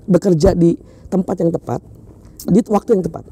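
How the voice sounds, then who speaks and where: Man, high lively pitch, gravelly and husky, fast and animated storyteller in a dry room. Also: no room sound. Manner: animated storytelling, slangy, with laughs. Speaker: business talk show co-host. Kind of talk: casual chat.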